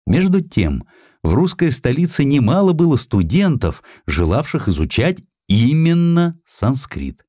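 A man reading a historical literary sketch in an expressive storytelling manner. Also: medium pitch, measured pace, no room sound, studio quality. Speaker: audiobook narrator.

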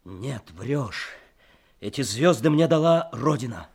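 An actor playing a proud, defiant wounded officer, speaking emphatically in a radio war drama. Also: male voice, mid-range voice, expressive, slow, vocal fry, breathy edge, exaggerated voice. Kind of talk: Soviet radio drama acting.

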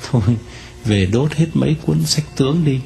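A man's voice: mid-range voice, moderate pace, creaky, warm tone, faint music behind, pitched above the performer's own voice, lightly acted. Man doing a frail dying man. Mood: weary. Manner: weak, whispery.

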